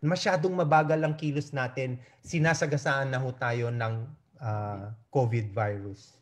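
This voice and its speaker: A man's voice: mid-range voice, steady tone, normal speed. An older man with a Filipino accent, speaking as a doctor at an online press conference, explaining his argument earnestly and emphatically over a video call. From Philippines. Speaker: doctor, medical society representative. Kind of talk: press conference answer, code-switching argument. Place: indoor room on a video call. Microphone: video call computer microphone.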